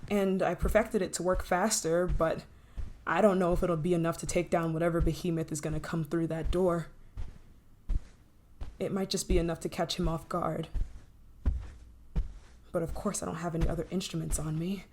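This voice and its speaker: A woman's voice: on the low side, little pitch movement, darkish tone, a little hiss or hum, close to an everyday voice. A woman playing an obsessive, menacing scientist in an intense, possessive ASMR roleplay. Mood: tense, hushed. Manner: intense, pleading, possessive, dramatic pauses. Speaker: voice actor in audio roleplay.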